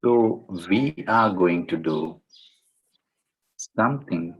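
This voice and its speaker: A man guiding a meditation in a gentle, deliberate way, speaking in short phrases with long pauses between them. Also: low voice, expressive, breathy edge, muffled recording. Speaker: meditation guide. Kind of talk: guided meditation instruction.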